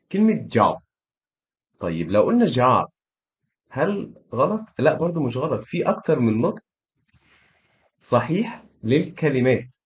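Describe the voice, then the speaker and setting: A man with an Egyptian Arabic accent teaching pronunciation, encouraging his students and slowly demonstrating vowel sounds over and over. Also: a little high, a little mellow. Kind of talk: online pronunciation lesson.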